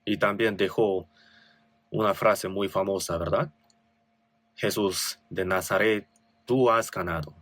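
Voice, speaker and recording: A man's voice: sits low, steady tone, takes it slowly, pauses often, fairly bright tone, dry recording. A male pastor with a Korean accent preaching a sermon, reading scripture with rising emphasis and asking rhetorical questions.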